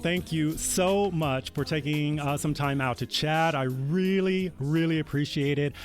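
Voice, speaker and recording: Man hosting over a music bed. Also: a little high. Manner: measured, reads credits. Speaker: radio host. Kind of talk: scripted intro then interview.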